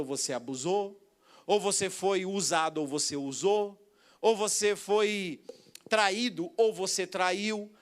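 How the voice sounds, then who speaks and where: Man, Brazilian Portuguese accent, high voice, preacher, lively storytelling sermon. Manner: storytelling with quoted voices and laughter.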